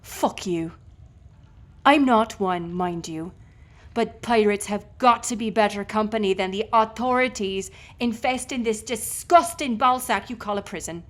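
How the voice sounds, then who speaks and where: A woman's voice: medium pitch, a little slow, a bit bright, natural voice. A woman playing a defiant, sarcastic, foul-mouthed ship captain held prisoner in an audio roleplay. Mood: mocking, contemptuous. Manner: sarcastic, wordy, biting.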